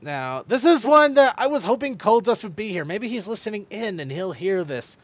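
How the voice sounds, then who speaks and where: A man's voice: high voice, sing-song, moderate pace, no echo, highs cut off. A man hosting a podcast in casual chat, rambling and stumbling over his words as he goes. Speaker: podcast host.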